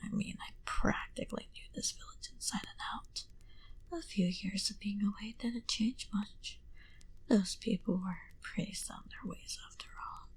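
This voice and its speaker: A woman voicing a proud, menacing vampire in a whispered ASMR roleplay, speaking deliberately and condescendingly into a close binaural mic. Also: mid-range voice, fairly even intonation, close to an everyday voice, poor audio. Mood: wistful, cold. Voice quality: breathy, hushed whisper. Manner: slow, deliberate, coolly condescending to the listener. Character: proud, menacing female vampire recounting her past. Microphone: close binaural microphone.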